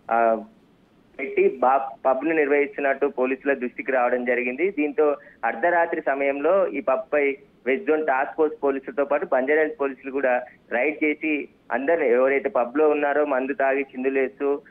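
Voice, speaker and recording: A man, a field reporter, gives a live news report by phone, rambling at times with filler pauses. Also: medium pitch. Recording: tinny phone line.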